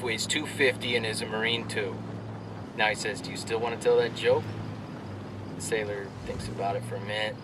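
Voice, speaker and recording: A male actor with a natural mid-range voice plays a brash, cocky army soldier for a video game, sounding slightly distant over faint vehicle ambience and a noisy background. Cracking crude off-duty jokes in military banter, he swaggers through the story and drags out the punchline.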